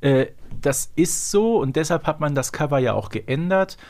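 A man's voice: on the high side, lively intonation, normal speed, darkish tone. A man co-hosting a casual podcast discussion, explaining things in detail in a conversational way. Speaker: podcast co-host.

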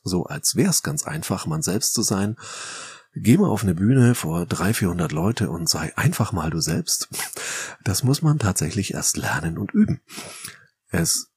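Husky gravelly German man coaching. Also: lowish voice. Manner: lively, conversational, explaining with mock quotes. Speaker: rhetoric coach and podcast host. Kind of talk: solo podcast talk.

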